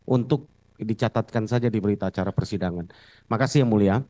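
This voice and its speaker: A man's voice: fairly low pitch, quick pace, warm tone, no room sound. An Indonesian man, a lawyer formally questioning a witness in court, methodical and pressing for clarification.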